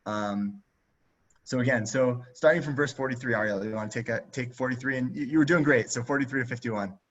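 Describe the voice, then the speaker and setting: A man's voice: medium pitch, fairly quick. A man leading a group text study over a video call, talking casually with many fillers and restarts. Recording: dull, lo-fi video call audio.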